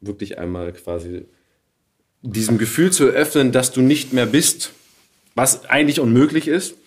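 A man's voice: mid-range voice, normal speed, breathy edge. A man hosting a podcast in a casual, intimate interview style, phrasing his thoughts reflectively and tentatively.

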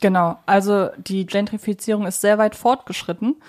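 A woman speaks as a podcast co-host in a medium-pitched voice. She explains things conversationally and keeps a chatty, discussion-like flow. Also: fairly even intonation, normal speed, a little mellow.

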